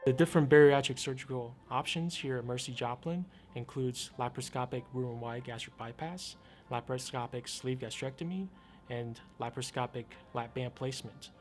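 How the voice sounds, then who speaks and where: A man, a surgeon, calmly explaining surgical options in an informational hospital spot, with occasional fillers. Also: medium pitch. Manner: measured, explanatory, with some fillers.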